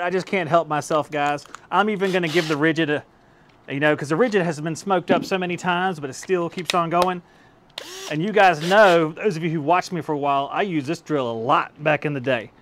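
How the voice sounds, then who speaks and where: A man's voice: fairly high pitch, fairly bright tone, a little hiss or hum. A man in his thirties casually reviewing drills in his home workshop, talking into a lapel mic in an easygoing, chatty way. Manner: chatty and easygoing, laughs at his own results. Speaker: tool-testing YouTube host. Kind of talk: casual hands-on tool review. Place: home workshop with shelves of power tools, indoors. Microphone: clip-on lapel mic.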